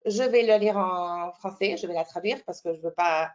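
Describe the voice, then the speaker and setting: A woman's voice: on the low side, moderate pace, highs cut off. A woman with an Italian accent presenting a teacher-training webinar, explaining step by step with fillers and restarts. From Italy. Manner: explanatory, many fillers and restarts, checks in with "d'accord?". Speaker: French language teacher trainer.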